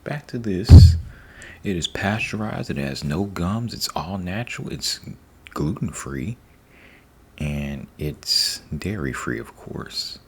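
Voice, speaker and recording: Casting: male ASMR host, extremely low voice, soft and half-whispered, slow rambling delivery. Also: lively intonation, husky. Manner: unhurried, rambling, repeats himself.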